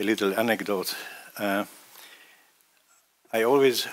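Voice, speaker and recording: With a Hungarian accent, a man speaks at a fairly slow pace and medium pitch. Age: 70s. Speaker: award presenter at a gala. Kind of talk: award introduction speech. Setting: gala event with audience. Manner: halting, many fillers.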